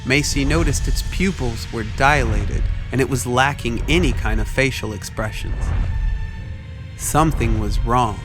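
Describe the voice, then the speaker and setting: A man's voice: medium pitch, unhurried. A man reading scripted, dramatic story narration as the narrator. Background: prominent music.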